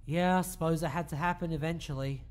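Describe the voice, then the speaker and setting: A man's voice: a little high, steady tone, fast talker, darkish tone, close to an everyday voice. A man playing an eccentric, self-sacrificing time traveller in an audio drama, wry, chatty and flippant. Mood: resigned.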